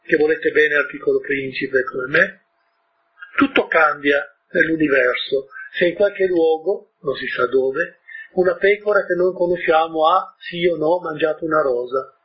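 A man with a husky voice retelling a story to an audience, often breaking off with informal asides and questions to his listeners. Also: on the high side, highs cut off.

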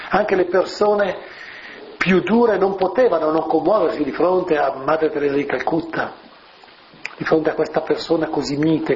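Guy giving a chatty homily, kinda high voice, lots of little "no?" asides, dull lo-fi sound. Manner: conversational, with rhetorical asides and soft fillers. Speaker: preacher. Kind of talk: homily explaining scripture. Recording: muffled lo-fi recording with faint hiss.

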